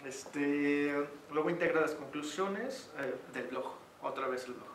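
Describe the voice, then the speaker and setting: A man's voice: a little high, unhurried. Mexican guy tutoring, lots of fillers, roomy echo and noise behind, sits back from the mic. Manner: chatty, uses many fillers. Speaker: teacher. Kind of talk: online tutoring session. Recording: echoey room, distant mic, noisy.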